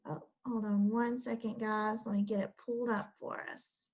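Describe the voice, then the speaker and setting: A woman's voice: on the high side, little pitch movement, normal speed, darkish tone. A woman teacher explaining a lesson step by step to children, then reading a picture book aloud.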